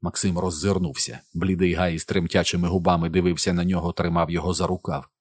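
A man narrating an audiobook in a steady, even reading voice. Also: low voice, quick pace.

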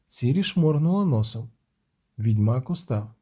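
A man reading an audiobook as narrator, telling the story in a calm, even way. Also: medium pitch, measured pace, slightly rough. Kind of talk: scripted narration.

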